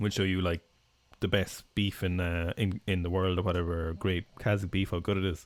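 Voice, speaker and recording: A man's very deep, low voice at a moderate pace, with very even loudness. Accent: Irish. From Ireland. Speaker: podcast co-host, strength coach. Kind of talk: casual chat, travel storytelling. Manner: animated.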